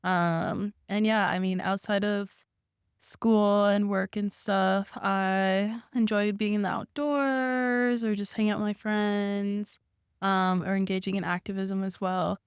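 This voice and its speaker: A woman's voice: medium pitch, steady tone, slow, smooth, no room sound, clean studio sound. A young woman raised in the American Northwest, a student organizer, speaking casually with many fillers. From Boise, Idaho. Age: young adult. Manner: informal, filler-heavy, friendly. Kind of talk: casual interview chat.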